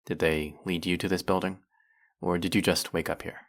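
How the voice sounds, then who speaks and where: A man playing a centuries-old, brooding vampire hunter in an audio roleplay, questioning with measured, wry menace. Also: deep voice, flat delivery, creaky. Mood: knowing, grim. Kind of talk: dramatic audio roleplay, addressing the listener.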